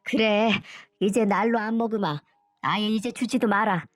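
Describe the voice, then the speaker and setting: A woman voicing an older mother and grandmother who scolds her son in a sharp, indignant tone. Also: medium pitch, normal speed, dry recording, studio quality, soft background music, lightly acted. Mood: cold.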